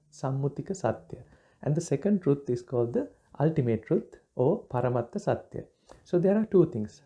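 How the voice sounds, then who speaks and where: A man from Sri Lanka, a Buddhist monk giving a relaxed dharma talk, pausing often with fillers and restarts. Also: a little high. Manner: halting, many fillers and restarts.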